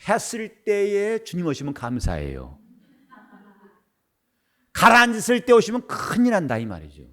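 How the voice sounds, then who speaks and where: A middle-aged man preaching a sermon as pastor, his voice husky and worn, switching between loud bursts and quiet asides. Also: high voice, wildly swooping pitch, moderate pace. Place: church sanctuary.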